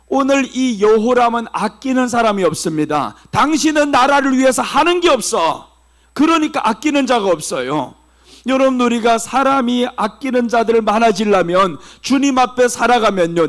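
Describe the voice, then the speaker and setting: High-voiced Korean pastor preaching. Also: male voice. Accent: Seoul Korean. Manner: preaching with wide swings between hushed low phrases and raised emphatic ones. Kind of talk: sermon.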